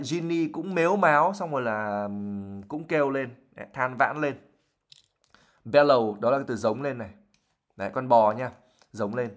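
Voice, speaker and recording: Brief: male language teacher, patient explainer, lots of fillers, livestream lesson. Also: mid-range voice. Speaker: English teacher.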